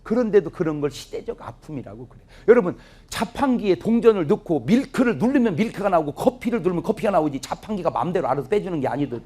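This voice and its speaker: Middle-aged male pastor, husky and animated, storytelling sermon that plays out family dialogue. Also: high voice, quick pace, few pauses. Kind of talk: revival sermon with humorous stories. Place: church revival meeting, audience laughing.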